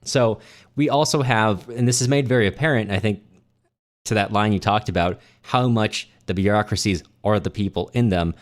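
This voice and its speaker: A man's voice: on the low side, moderate pace. A man hosting a podcast, talking through literature in a casual, conversational way. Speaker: podcast host.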